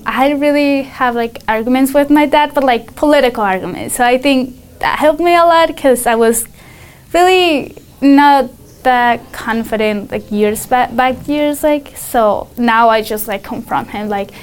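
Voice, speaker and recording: A woman's voice: sits high, a little slow, clear, resonant tone. A teenage girl from Mexico, a student debater, talking casually and hesitantly with many "like" fillers; Spanish is her first language. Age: teens. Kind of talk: casual interview answers.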